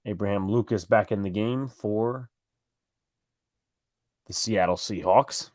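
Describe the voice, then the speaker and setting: New york guy calling football plays on a live stream, lowish voice, dry close sound, keeps restarting sentences. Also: takes it slowly, darkish tone, no room sound. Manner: rambling, self-correcting, chatty with viewers. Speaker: live stream co-host doing play-by-play. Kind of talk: casual live play-by-play and fan chat.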